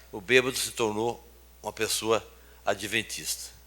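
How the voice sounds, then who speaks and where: A man with a bright, sharp tone speaks at a very slow pace. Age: 60s. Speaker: lay preacher. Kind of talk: sermon.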